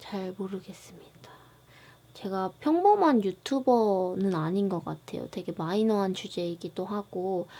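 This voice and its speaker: Words come fairly slowly in a very clean recording where the background is silent. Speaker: tarot reader youtuber. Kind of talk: tarot card reading. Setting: home, filming at night. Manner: soft-spoken, whispering; calm, gentle.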